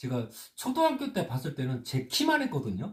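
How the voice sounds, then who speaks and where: A man is speaking. His pace is fairly slow. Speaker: rural life YouTuber. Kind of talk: casual family conversation.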